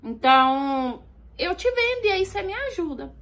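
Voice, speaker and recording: A woman's voice: very high voice, sing-song, moderate pace, fairly bright tone, voice pushed up, heavily acted. A Brazilian woman quoting her young female friend in a storytelling video, matter-of-fact and bargaining. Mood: businesslike. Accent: Brazilian Portuguese. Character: pushy young female friend selling a favor.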